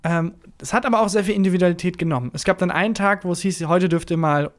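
A man's voice: sits high, fast talker. A man who is a native German speaker, telling anecdotes casually as a podcast host and acting out quoted speech.

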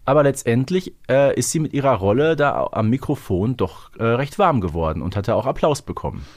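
Guy podcast co-host, medium pitch, lively intonation, casual chat. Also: brisk. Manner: colloquial, frequent tag questions.

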